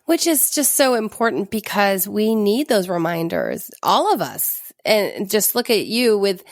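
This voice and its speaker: A woman hosting a podcast interview, encouraging her guest and acting out quotes with playful pitch jumps. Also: big pitch swings, unhurried, no room sound, studio quality. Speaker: podcast host. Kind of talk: casual interview talk.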